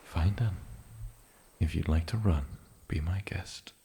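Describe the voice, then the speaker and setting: Casting: male actor for lonely, menacing island demon, fantasy ASMR. Gravelly, whispery, soft-spoken, possessive; faint ambient noise behind the voice. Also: sits low, heavily acted. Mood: calmly threatening. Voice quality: breathy, often dropping into whisper. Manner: slow, halting, sinister politeness.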